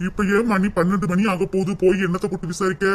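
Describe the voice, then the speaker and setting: A man's voice: high-pitched, level tone, fast talker, close to an everyday voice. A man voicing a dutiful grown son and husband who soothes his family with repeated coaxing in a cartoon. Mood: soothing. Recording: clear hiss under the voice.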